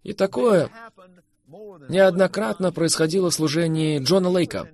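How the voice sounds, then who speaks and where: A man co-hosting a Christian TV talk show, preaching fervently in an emphatic conversational way. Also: high voice. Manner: fervent, emphatic, swings between loud bursts and soft drawn-out phrases. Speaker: Christian TV minister, co-host.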